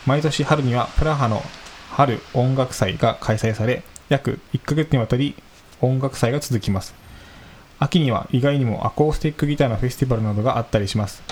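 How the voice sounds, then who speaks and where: A man's voice: medium pitch, brisk, poor audio. Male podcast co-host, polite and modest, mid-range voice, faint background hiss. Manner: polite, modest, laughs easily. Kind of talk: reading a listener letter and casual chat.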